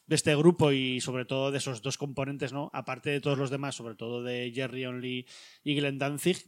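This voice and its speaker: A man from Spain hosting a casual podcast, relaxed and chatty as he wraps up. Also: mid-range voice, normal speed, no room sound, clean studio sound. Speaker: podcast host. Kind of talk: casual chat.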